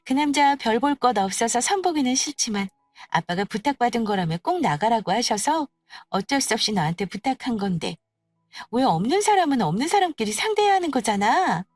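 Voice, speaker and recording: A woman voicing a snobbish, sneering young woman in an audio story, talking in a condescending, mocking, drawn-out way. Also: on the high side, very animated, dry recording, soft background music, pitched above the performer's own voice. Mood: mocking, disdainful. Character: snobbish, sneering young woman who belittles her friends. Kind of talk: acted dialogue in an audio story.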